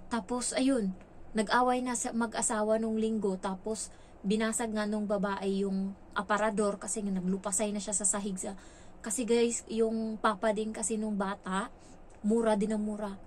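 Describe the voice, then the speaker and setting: A woman from the Philippines makes a casual storytelling vlog about her work as a domestic helper abroad. Her medium-pitched voice is flat and moderately paced over slight background noise, and she's chatty and frank, acting out quoted lines.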